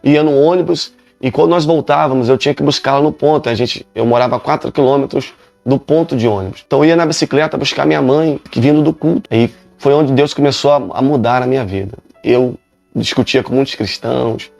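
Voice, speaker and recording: Gravelly, dry-voiced pastor giving an emphatic personal testimony; faint music underneath. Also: male voice, mid-range voice, a little fast, darkish tone, no echo. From Rio de Janeiro, Brazil. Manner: emphatic storytelling with repetitions.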